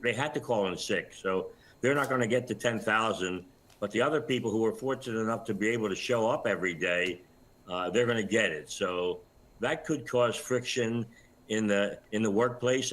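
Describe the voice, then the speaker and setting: An older man giving commentary as an expert guest in a live news interview, explaining things in a measured, halting way. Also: fairly low pitch, fairly bright tone, poor audio. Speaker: retired air traffic controller, interview guest.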